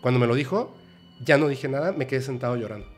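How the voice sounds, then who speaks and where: A man, hosting a podcast, telling a personal story in a halting, emotional way with many restarts. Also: medium pitch, animated, soft background music. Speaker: podcast host.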